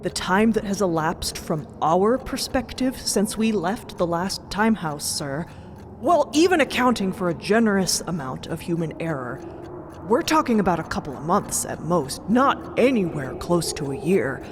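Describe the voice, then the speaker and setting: Anxious deferential timekeeper guy, lowish voice, stammers and placates, noisy ambience behind. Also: sing-song, moderate pace. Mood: nervous, placating. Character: nervous, deferential male timekeeper officer. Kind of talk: audio fiction acting.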